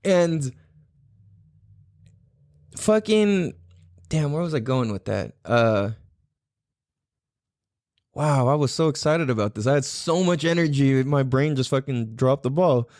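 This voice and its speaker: A man's voice: mid-range voice, expressive, takes it slowly, long pauses, a little mellow, no echo, clean studio sound. A young adult man hosting a podcast, telling a rambling, profane story in a casual solo style. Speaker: podcast host.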